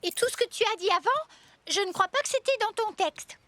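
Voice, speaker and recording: A woman voicing a bossy, perfectionist young girl in a children's cartoon, with a brisk, exacting, commanding manner. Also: very high voice, animated, bright, forceful tone, exaggerated voice.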